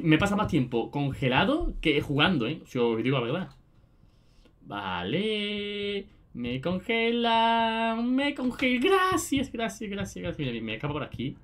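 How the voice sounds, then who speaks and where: Excitable woman with a Spain Spanish accent. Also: a bass voice, slight background noise. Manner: excitable, shrieks and chatters, rattles off repeated words. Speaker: gaming video creator. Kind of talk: let's-play commentary.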